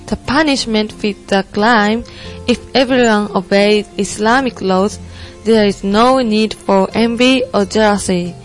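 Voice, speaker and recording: A woman's voice: mid-range voice, measured pace, natural voice. A young woman playing a strict, earnest Saudi Muslim panelist in a scripted student stage play, over music. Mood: earnest, firm. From Japan. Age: young adult. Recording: music behind the voice.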